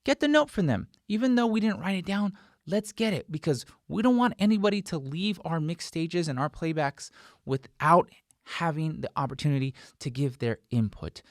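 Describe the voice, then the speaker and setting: A man with a slightly high voice presents an informal tutorial. He speaks close to the microphone with very little room sound, repeating key words for emphasis and slipping into little example remarks. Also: lively intonation, moderate pace, no room sound. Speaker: instructor, video host. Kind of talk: informal tutorial talk to camera. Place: small home studio, indoors. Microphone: desk microphone close in front.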